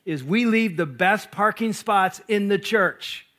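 A middle-aged pastor and marriage speaker telling stories to an audience, joking and acting out both sides of a quarrel. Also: male voice, high-pitched, takes it slowly. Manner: animated, jokey, acts out both sides of quarrels. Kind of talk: lively storytelling talk to an audience.

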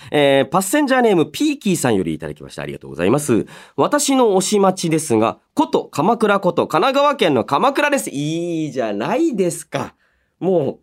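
A man in his thirties hosting a radio show, chatting casually and reacting as he goes, in an animated, talkative way. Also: a little high. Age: 30s. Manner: animated, chatty, interjects own reactions while reading. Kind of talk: casual radio chat, reading listener mail and reacting.

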